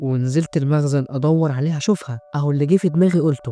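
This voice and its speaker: With music playing in the background, the speaker talks in an Egyptian accent with ordinary pitch variation. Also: man. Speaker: horror storyteller. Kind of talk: first-person horror story narration. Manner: casual, conversational.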